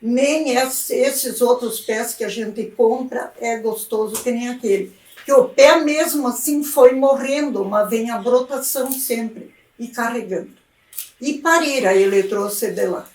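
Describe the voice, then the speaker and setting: An elderly woman with a rural Rio Grande do Sul accent tells her memories slowly, in a fairly high voice. She sounds some distance from the microphone in an echoey room. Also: darkish tone. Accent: southern Brazilian Portuguese, rural Rio Grande do Sul. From rural Rio Grande do Sul, southern Brazil. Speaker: retired teacher interviewed about local history. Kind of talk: oral history interview, reminiscing. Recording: roomy echo, distant microphone.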